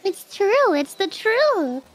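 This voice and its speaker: A woman chatting casually as a vtuber guest, giggly and excitable. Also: very high-pitched, takes it slowly. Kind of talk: casual stream chat.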